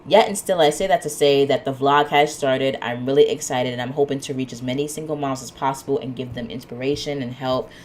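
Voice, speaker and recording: Speaking briskly with hardly any pauses, a podcast host with an extremely low voice rambles casually through her plans in a solo episode, packed with "um"s and asides. A cold leaves her a little sniffly, and there is a little hiss or hum on the recording.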